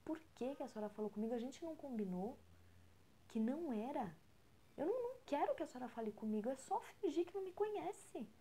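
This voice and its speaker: A woman voicing a young man who is ashamed of his mother and tells her off in a rapid, exasperated way. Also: high voice, animated, mellow, voice pushed up. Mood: upset.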